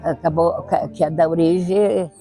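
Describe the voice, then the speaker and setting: A woman's voice: lowish voice, steady tone, normal speed, mellow, soft background music. An eighty-year-old woman with a southern Brazilian accent and Italian as her first language, reminiscing in an interview on a lapel mic. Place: outdoor terrace. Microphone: clip-on lapel mic.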